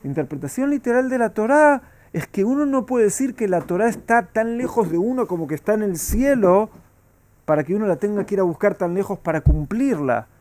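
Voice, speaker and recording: A man's voice: sits high, animated, fairly quick, a little mellow. A man, a rabbi, teaching a Talmud class and asking his students rhetorical questions.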